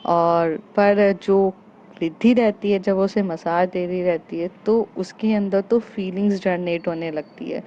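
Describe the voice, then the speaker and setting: A woman narrating a story in an unhurried, conversational way. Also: on the low side, steady tone, mellow. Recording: dull lo-fi with faint noise.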